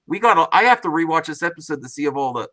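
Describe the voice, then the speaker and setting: A man's voice: on the high side, expressive, very fast, bright, forceful tone. A man on a casual podcast, friendly and easygoing, often trailing off mid-thought. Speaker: podcast co-host. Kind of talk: casual chat.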